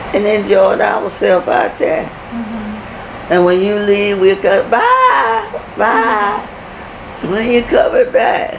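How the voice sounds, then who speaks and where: A woman talks very slowly with an American accent, barely pausing at all. Noticeable background noise sits under her voice. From Denham Springs, Louisiana; Louisiana. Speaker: interviewee. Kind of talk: interview answer. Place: home room.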